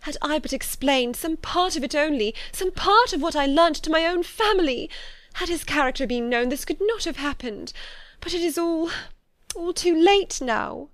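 A woman voicing an agitated, distraught young gentlewoman from a period novel, speaking in impassioned, anguished exclamations. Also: high voice, lively intonation, normal speed, dry recording, voice pushed up. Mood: agitated, self-reproachful. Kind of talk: dramatic audiobook character acting.

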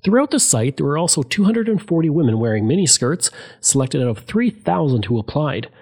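Lively male history narrator. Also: a little high, brisk. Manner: lively storytelling, reads out quotes. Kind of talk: scripted documentary narration.

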